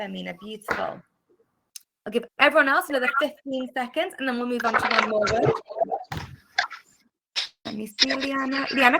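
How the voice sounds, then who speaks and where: A British woman teaching an online phonics class to young children, sounding out letters clearly and praising often. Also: high voice, noisy background. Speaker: primary school teacher. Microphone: video call.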